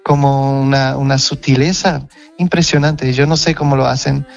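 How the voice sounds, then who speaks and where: A man's voice: medium pitch, steady tone, normal speed, vocal fry, highs cut off, soft background music. A man from Portugal with a Portuguese accent, a singer speaking as an interview guest, reflective and searching for words with frequent restarts. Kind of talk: reflective conversational interview answers.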